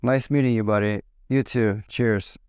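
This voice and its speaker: A man voicing a friendly adult male airplane passenger in a practice dialogue, speaking slow, clearly repeated sentences for learners. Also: fairly low pitch, fairly even intonation, darkish tone, no echo, studio quality, close to an everyday voice. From Brazil. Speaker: role-play partner in a practice dialogue. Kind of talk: acted example dialogue for learners.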